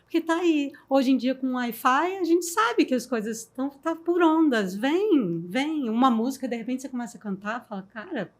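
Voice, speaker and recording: Woman storyteller on a podcast, kinda high voice, calm thoughtful talk. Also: moderate pace, few pauses. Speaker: storyteller guest. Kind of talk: reflective conversation.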